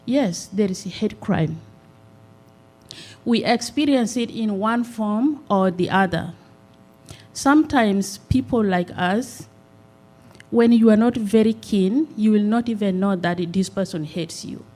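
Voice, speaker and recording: A middle-aged woman from South Sudan, speaking at a town hall meeting on a handheld mic. She talks in an earnest, measured way, with many "uh" pauses. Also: mid-range voice, a little mellow. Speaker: community nonprofit representative. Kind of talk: town hall public comment. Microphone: handheld microphone.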